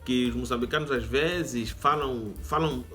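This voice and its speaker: A man's voice: mid-range voice, measured pace, pushed and bright, faint music behind. A young Angolan man with an Angolan Portuguese accent, hosting a channel and explaining casually with asides to viewers. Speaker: YouTube channel host. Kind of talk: casual educational monologue.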